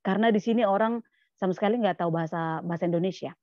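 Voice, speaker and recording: A woman's voice: medium pitch, very fast, mellow, no echo, highs cut off. A woman, a guest speaker at a church service, telling a personal story in a plain, repetitive way, often restarting phrases and quoting others. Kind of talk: testimony sermon, storytelling.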